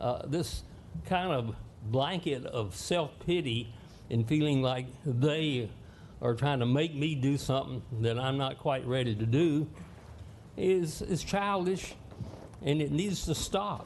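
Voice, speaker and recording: With lively intonation, a man speaks at a fairly high pitch and a fairly slow pace. Long, frequent pauses break his speech, and room echo is audible. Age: 90s. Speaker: former utility executive, invited speaker. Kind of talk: public meeting address. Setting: commission meeting room.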